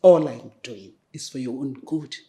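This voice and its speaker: A woman's voice: very deep voice, moderate pace, dark tone, echoey room. An actress playing a domineering middle-aged mother who scolds her son for not giving her grandchildren. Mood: scolding. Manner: scolding, bossy. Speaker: actor. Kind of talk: melodrama acting.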